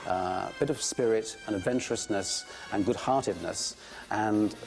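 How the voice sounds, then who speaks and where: A man with a fairly low voice muses thoughtfully in a documentary interview. Soft music plays faintly underneath. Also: normal speed, rough recording.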